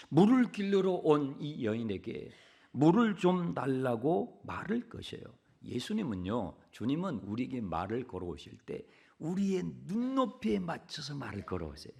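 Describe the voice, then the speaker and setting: A man preaching a sermon from the pulpit. He drops to hushed whispers, then repeats words loudly for emphasis, and keeps asking the congregation questions. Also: mid-range voice, vocal fry, breathy edge. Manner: swings between hushed whispers and loud emphatic repetitions; conversational, asks the congregation questions. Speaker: pastor. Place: church sanctuary pulpit.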